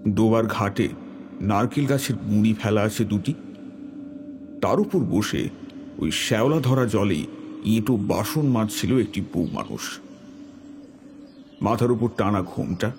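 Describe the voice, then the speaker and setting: Male storyteller, slightly low voice, measured literary delivery, dramatic horror narration, faint background noise. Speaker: story narrator, telling it in the first person.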